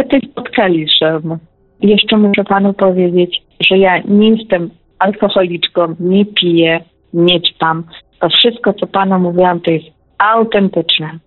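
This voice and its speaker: A woman's voice: fairly low pitch, unhurried, dry recording. A woman calling in to tell a personal story, talkative and emphatic, often repeating herself. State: widowed, close to tears. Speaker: caller. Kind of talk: emotional personal account. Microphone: telephone. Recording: tinny phone line.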